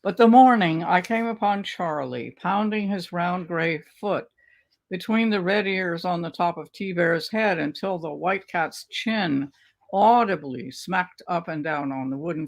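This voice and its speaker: An older woman reading her own memoir aloud over a video call from a home study, with a measured, unhurried storytelling manner. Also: fairly low pitch, gravelly. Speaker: author reading her work. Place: home study lined with bookshelves. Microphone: video call webcam.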